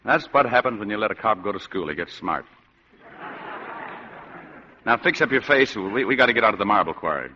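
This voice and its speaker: A man's voice: on the low side, animated, brisk, long pauses, sharp tone, slight background noise. An actor playing a hard-boiled male private eye with dry wisecracks and tough slang, in 1940s radio acting. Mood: wry. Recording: dull lo-fi old radio broadcast.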